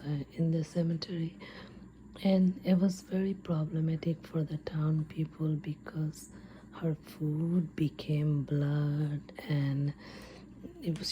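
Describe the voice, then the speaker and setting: A woman whispering in a breathy, unvoiced ASMR storytelling style, hesitant and unscripted with drawn-out pauses. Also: low voice, mellow, slight background noise, poor audio. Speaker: host of an ASMR storytelling channel.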